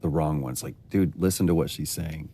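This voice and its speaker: A man's voice: extremely low pitch, a little fast, mellow. A man giving casual commentary on a game scene, admiring and enthusiastic about the performances.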